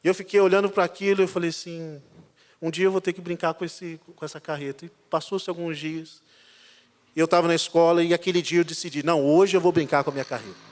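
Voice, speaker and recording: A man, a pastor, preaching a sermon as a lively storyteller, swinging between loud and quiet passages. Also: a little high, fast. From Brazil. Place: church sanctuary. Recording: church hall reverb.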